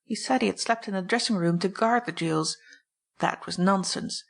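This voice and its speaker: A woman voicing an excitable, indignant baroness in an audiobook, emphatic and dramatic. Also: mid-range voice, normal speed, vocal fry. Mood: indignant, exasperated.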